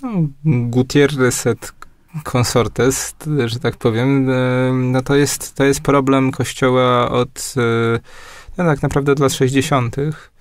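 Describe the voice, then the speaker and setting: Hesitant Polish man explaining slowly. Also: mid-range voice, level tone, dry recording. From Poland. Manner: many fillers and restarts, measured. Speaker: guest historian.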